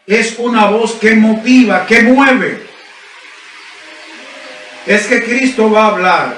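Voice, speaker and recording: A man preaches a sermon in a high, ringing voice. He builds his points through emphatic repetition and rhetorical questions to the congregation. The sound is roomy and echoing, caught by a mic some distance away. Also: fairly bright tone, a little hiss or hum. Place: church service.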